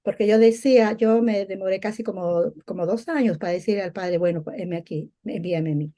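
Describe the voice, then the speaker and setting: A middle-aged Peruvian woman with a mid-range, dark-toned voice speaks a little fast. She gives a personal religious testimony conversationally, often repeating herself while searching for words.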